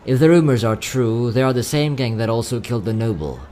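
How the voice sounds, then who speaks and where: A man playing a courteous, quietly sad young travelling merchant in a fantasy audio drama, speaking in polite, theatrical salesman's patter. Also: medium pitch, a little fast, slight background noise, natural voice. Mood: earnest. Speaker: voice actor.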